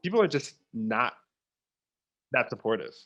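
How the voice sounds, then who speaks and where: A man's voice: mid-range voice, big pitch swings, a little slow, a bit bright, muffled recording. A man speaking as a theatre producer in a conversational interview, opinionated and emphatic, repeating phrases to stress his point.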